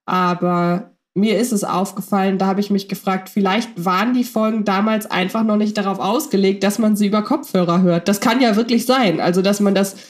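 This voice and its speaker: A woman's voice: medium pitch, fairly even intonation, brisk, hardly any pauses. Female podcast co-host, mid-range voice, reflective and conversational, thinks aloud.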